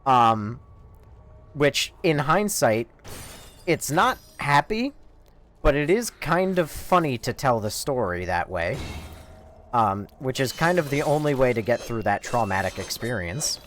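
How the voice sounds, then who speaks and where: A male game streamer chats and tells a story in a loose, rambling, swear-filled way. His pitch swings widely as he talks, and there is a faint hiss behind him. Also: big pitch swings, unhurried, a bit bright. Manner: rambling, profane, laid-back. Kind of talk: casual storytelling while streaming.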